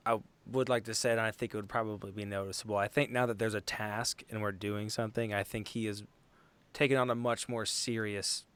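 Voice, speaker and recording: A man's voice: fairly low pitch, little pitch movement, a little fast, fairly bright tone, clean tone. A man talking casually as a player in a tabletop game, in a tentative, roundabout way.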